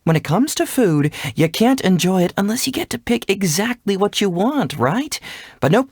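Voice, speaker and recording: A cocky playful young detective from a video game, really bouncy pitch, super dry close sound. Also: male voice, sing-song, moderate pace, breathy edge, no echo, heavily acted. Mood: breezy, opinionated. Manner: breezy, playful, self-assured, theatrical phrasing. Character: cheeky, confident young male detective with cyclone-powered combat. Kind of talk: scripted game character voice lines.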